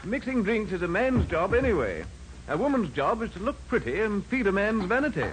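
Suave, lively gentleman suitor. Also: high-pitched, a little fast. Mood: suave, flirtatious. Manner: suave, courtly, patronizing. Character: suave, condescending gentleman traveler courting a lady. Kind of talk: 1940s radio acting. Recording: slightly noisy old radio recording.

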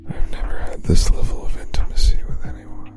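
A man doing an intimate ASMR roleplay, speaking softly in a breathy whisper close to the ear. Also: brisk, over music. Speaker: ASMR performer.

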